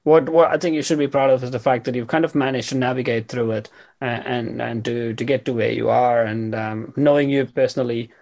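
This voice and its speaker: Conversational male radio interviewer, halting. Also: medium pitch, fairly even intonation, darkish tone. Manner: halting, rephrases questions.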